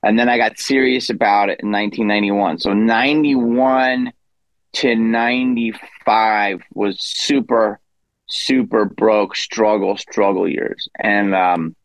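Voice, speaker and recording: A man's voice: on the low side, fairly even intonation, slow, dry recording, rough recording. Rambling storyteller, man in his fifties. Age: 50s. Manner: rambling with self-deprecating asides and laughs. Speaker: guest comedian. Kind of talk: casual interview storytelling.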